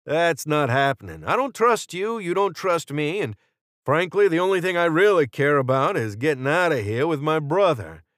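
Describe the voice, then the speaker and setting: A cocky male gunman, acted by a male audiobook narrator, pitched well up from a middle register. He is glib and flippant, tossing out slang with casual sarcasm. The sound is dry and close. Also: expressive, normal speed, a bit bright, dry recording. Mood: defiant, flippant. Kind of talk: audiobook character dialogue.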